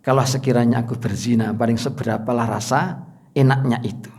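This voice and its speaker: A man voicing a poor, desperate mother who pleads in a low, subdued voice for her starving child. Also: steady tone, fairly quick, darkish tone, natural voice. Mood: fearful.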